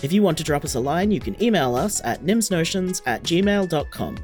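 A woman's voice: sits low, expressive, brisk, a little mellow. A woman reading scripted end credits for an audio drama. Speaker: credits reader. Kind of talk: scripted credits read over music. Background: music.

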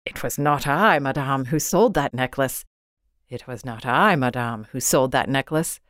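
A woman voicing a formal male jeweller, politely firm and measured, in a storybook reading. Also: a bass voice, a bit bright, dry recording, studio quality, pitched below the performer's own voice. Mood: polite denial.

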